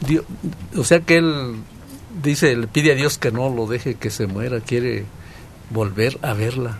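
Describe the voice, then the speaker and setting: A man speaks at a medium pitch and a fairly slow pace, with ordinary pitch variation. He leaves long, frequent pauses. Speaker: radio co-host. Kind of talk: casual chat.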